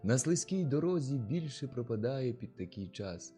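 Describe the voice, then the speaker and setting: A man narrating a classic novel as an audiobook in an expressive, steady storytelling manner. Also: mid-range voice, moderate pace, soft background music.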